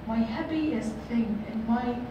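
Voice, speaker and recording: Woman, middle-aged, high voice, motivational workshop talk, echoey conference room, far-off camera, noisy. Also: slow, dull audio. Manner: earnest, repeats phrases, many fillers. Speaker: workshop speaker. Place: large hotel conference room.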